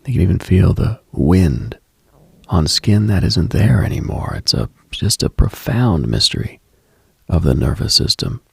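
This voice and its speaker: Deep, gravelly, husky late-night radio man. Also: sing-song, dry recording. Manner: hushed, unhurried, contemplative, addresses listener directly. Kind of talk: intimate late-night mystical monologue, ASMR-like.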